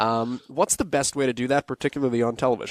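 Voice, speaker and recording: A man talks at a fairly quick pace with fairly even intonation in a plain, everyday voice. The sound is dry and close, with no echo. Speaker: podcast host. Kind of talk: interview question.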